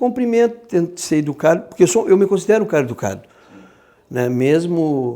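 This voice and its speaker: A very clean, silent-background recording of a man's dark, mellow tone. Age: 60s. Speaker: football club president. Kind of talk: interview. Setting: football stadium. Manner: halting, many fillers.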